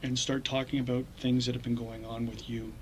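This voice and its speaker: A male police detective questioning a witness in a calm, steady way. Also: medium pitch, a little fast, a little hiss or hum. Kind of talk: police interview.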